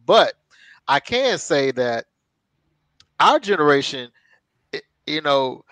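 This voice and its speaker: Thirtysomething guy cohosting on a video call, rambly and chatty, headset, kinda high voice, dry sound. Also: big pitch swings, takes it slowly, fairly bright tone, no room sound, low-quality recording. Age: 30s. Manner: chatty, rambling with many fillers and laughs. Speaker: co-host. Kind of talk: casual interview chat. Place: home room on a video call.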